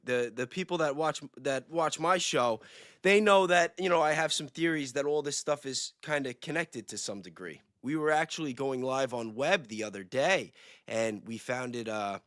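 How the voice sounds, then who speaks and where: A man's voice: medium pitch, fairly bright tone, no echo, clean studio sound. A man talking casually and informally on a livestream, using slang as he speculates. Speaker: livestream guest, self-described independent investigator.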